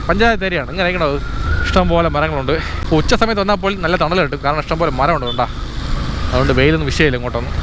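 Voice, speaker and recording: A man with a slightly high voice and a Trivandrum Malayalam accent talks quickly over clear vehicle and outdoor noise. He gives casual, chatty commentary from a bike ride, dropping English words into his Malayalam. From Kerala, India. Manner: chatty, repetitive exclamations. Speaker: motorbike vlogger. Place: outdoors on a moving motorbike. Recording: noisy outdoor recording with traffic and engine.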